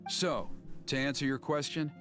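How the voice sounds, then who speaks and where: An actor playing an earnest, persuasive tribal elder in a video game, speaking in a measured, formal way. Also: male voice, fairly high pitch, fairly even intonation, fairly bright tone, soft background music, lightly acted. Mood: solemn.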